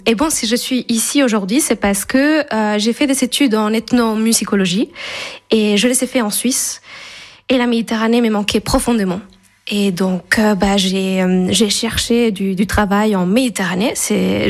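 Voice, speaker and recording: A woman from Spain in her thirties with a Spanish accent, answering radio interview questions with many fillers and restarts. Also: medium pitch. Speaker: festival staff guest.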